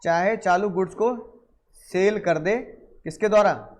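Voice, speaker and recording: High-voiced man teaching a law class. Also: a little slow. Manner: lively, questions the class and acts out little dialogues. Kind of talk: classroom lecture.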